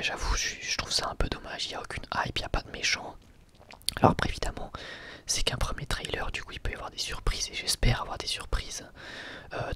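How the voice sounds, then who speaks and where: Man, whispered ASMR commentary, breathy, casual, colloquial, hesitant delivery. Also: mid-range voice. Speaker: ASMR video creator giving film opinions.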